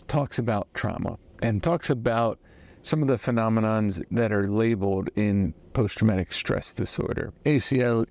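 A man in his thirties, a trauma therapist, giving a measured, thoughtful lesson to camera in a study lined with bookshelves. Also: on the low side, vocal fry, darkish tone, no echo. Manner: measured, thoughtful explaining with hand gestures. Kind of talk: educational talk to camera.

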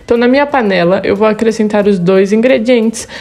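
A woman's voice: mid-range voice, brisk, a little mellow. A woman in her thirties with a Brazilian Portuguese accent, hosting a cooking channel and walking viewers through a recipe in a friendly, chatty way that checks in with "tá bom?". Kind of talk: recipe tutorial with voice-over. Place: home kitchen studio for the intro.

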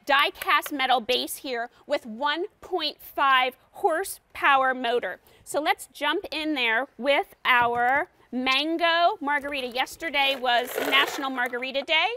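A woman's voice: high-pitched, a little slow, few pauses, sharp tone, no echo. A woman guest on a live TV shopping show, cheerfully demonstrating a blender in a studio kitchen. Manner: cheerful, enthusiastic.

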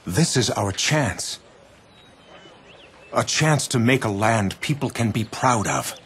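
An actor playing an ambitious male warlord who speaks in a cool, deliberate way in a video game cutscene. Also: mid-range voice, animated, a bit bright, a little hiss or hum. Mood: scheming.

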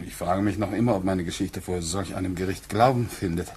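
In a German radio play, a male actor voices a plain-spoken, guarded Puritan farmer, blunt and measured and sometimes hesitant. His voice is low, husky, and darkish in tone.

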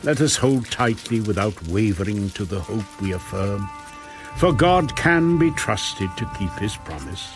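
Casting: male scripture narrator, slow and earnest, dramatic emphasis, faint music beneath. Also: fairly low pitch, animated.

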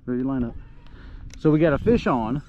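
A man's voice: mid-range voice, expressive, fairly quick, muffled recording. A man chatting in an easygoing, encouraging way while fishing from a small boat, recorded outdoors on an action camera. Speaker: angler, channel co-host. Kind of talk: relaxed casual chat while fishing. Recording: outdoor boat recording with loud wind and water noise.

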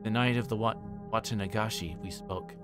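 A man's voice: lowish voice, a little fast, lightly acted. A man voicing a guarded, hesitant schoolboy being questioned in a visual novel. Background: music behind the voice.

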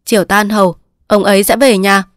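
A fussy court clerk, officious and quick to lecture, then polite and helpful, read by a woman narrator. Dry, close sound without any echo. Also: mid-range voice, little pitch movement, natural voice.

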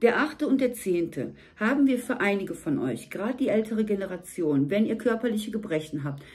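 A woman with a slightly hoarse voice gives a monthly tarot reading at a table indoors. She speaks to the viewer in a warm, reassuring way. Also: fairly low pitch. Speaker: tarot reader.

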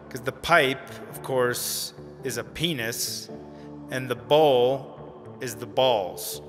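Young male addict, rambling and informal, medium pitch, reverberant room, radio drama. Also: pushed and bright. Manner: informal, hesitant, slangy storytelling. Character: rambling young man, addict sharing sheepishly, casual slangy. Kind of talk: radio drama acting, conversational monologue.

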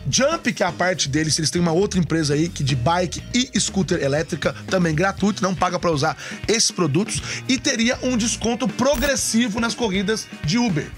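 Chatty male podcast co-host, late thirties, with a high voice; casual and repetitive in his phrasing. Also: animated, a little fast, faint music behind. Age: 30s. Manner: chatty, repeats himself. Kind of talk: casual tech podcast chat. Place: studio desk with a podcast set. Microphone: desk microphone on a stand.

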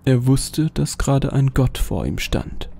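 A man narrating a scripted horror story in a measured, steady way. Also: medium pitch, vocal fry. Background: faint music.

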